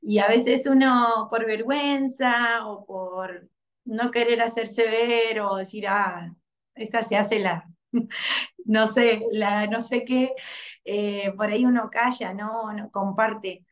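Thirties woman, soft and hesitant, video-call laptop mic at home. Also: fairly high pitch, steady tone, slow pace. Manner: soft, hesitant, many fillers and restarts. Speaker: workshop participant, mother. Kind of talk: reflective testimonial over video call. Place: home living room.

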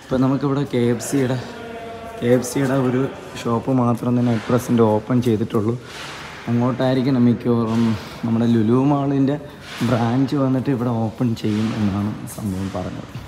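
At a normal speed and in a steady mid-range voice, a vlogger walks an empty building on camera, filming with a handheld phone. He keeps recycling the same eager words of praise, while street noise comes through plainly in the phone audio.

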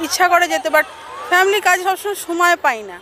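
A woman's voice: very high-pitched, fast talker, bright, forceful tone, some chatter behind, slight background noise. A middle-aged woman with a Bengali accent, answering a street interviewer hesitantly and mixing in English words. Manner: hesitant, restarts, mixes in English. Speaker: interviewee, churchgoer. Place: crowded churchyard lawn outdoors. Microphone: reporter's handheld mic.

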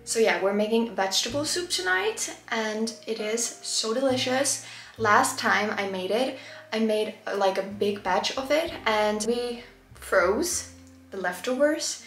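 A woman's voice: fairly high pitch, animated, unhurried, fairly bright tone, roomy sound, soft background music. Chatty young woman from Iceland. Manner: chatty, enthusiastic, frequent "like" and "honestly". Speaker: lifestyle vlogger. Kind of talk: casual cooking vlog chat. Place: small home kitchen, indoors.

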